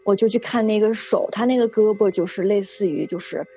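A community health worker appears as a guest telling a ghost story, recounting a vivid, repetitive personal tale in earnest, casual speech. Her mid-range voice is a little fast, dark-toned, and slightly rough, with faint music behind her.

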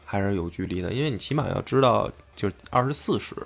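A man hosting a casual history podcast, explaining deliberately and often rephrasing himself. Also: fairly low pitch, animated, vocal fry, faint music behind. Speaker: podcast host.

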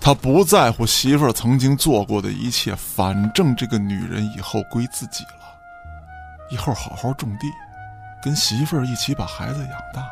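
A man's voice: medium pitch, lively intonation, moderate pace, gravelly. A man giving dramatic scripted narration for a radio play in a theatrical storytelling manner. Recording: music behind the voice.

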